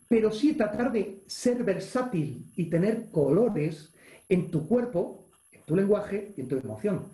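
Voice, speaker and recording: Spanish-male coach, online webinar, energetic and demonstrative, warm mellow tone, roomy echo over a video call. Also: fairly high pitch. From Spain. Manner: energetic, acts out gestures and exclamations, reads chat questions aloud. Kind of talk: live online leadership webinar.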